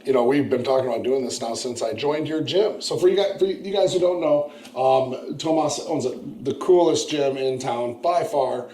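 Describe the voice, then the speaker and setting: A man's voice: medium pitch, moderate pace, hardly any pauses, dark tone, reverberant. A man hosting a podcast, chatting with a guest in a laid-back, enthusiastic way. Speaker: podcast host. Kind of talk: casual interview chat.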